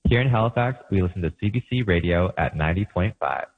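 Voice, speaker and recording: A man leaving an answering machine message over the phone, reading a scripted invitation in a steady, announcing way. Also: low voice, fast, no echo. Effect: answering machine message over a phone line. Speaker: caller leaving a voicemail. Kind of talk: scripted invitation read as a voicemail. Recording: tinny phone-line voicemail.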